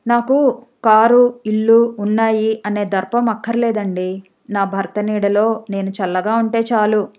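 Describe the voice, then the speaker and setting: A woman's voice: medium pitch, little pitch movement, a little slow, a little mellow, close to an everyday voice. A woman reading the part of a hurt young wife who feels neglected, reproachful and pleading in a storybook reading. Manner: tearful, reproachful.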